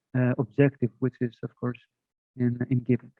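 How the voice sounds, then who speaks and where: A man is speaking. He has a Greek accent. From Greece. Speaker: professor. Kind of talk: lecture.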